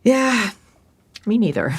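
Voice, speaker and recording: A woman's voice: on the high side, very animated, slow pace, slightly rough, full character voice. An actress playing a polite, hesitant woman hosting a guest in an audio drama. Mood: courteous. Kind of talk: naturalistic audio drama acting.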